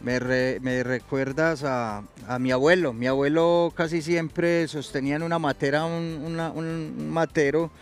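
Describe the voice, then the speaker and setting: A man's voice: on the high side, fairly even intonation, measured pace, hardly any pauses, clear, resonant tone, faint music behind. A middle-aged man, a coffee expert guest, explaining in a folksy storytelling way outdoors in a garden. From Colombia. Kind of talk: explanatory interview talk.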